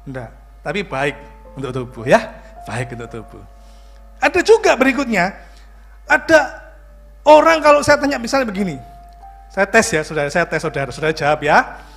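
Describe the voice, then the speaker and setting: A male pastor, preaching a lively sermon full of jokes and questions to the congregation. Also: high-pitched, normal speed, vocal fry, pauses often, soft background music. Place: church.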